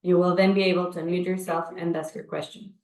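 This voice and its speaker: Lady call operator, lowish voice, formal scripted lines, echoey. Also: little pitch movement, fast talker, darkish tone. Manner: formal, procedural. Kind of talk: scripted announcements. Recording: roomy, echoing call audio.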